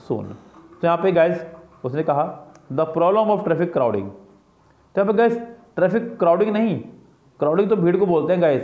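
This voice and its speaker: A man's voice: a little high, darkish tone. A man teaching an exam-prep grammar lesson, explaining each answer step by step and repeating his own questions and answers. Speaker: English teacher. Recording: roomy, dull lo-fi sound.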